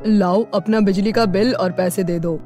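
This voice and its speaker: A polite, officious male clerk from a cartoon tale, put on by a woman. The voice is dropped lower than the performer's own and formal, with soft music behind. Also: fairly even intonation, moderate pace, natural voice. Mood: businesslike.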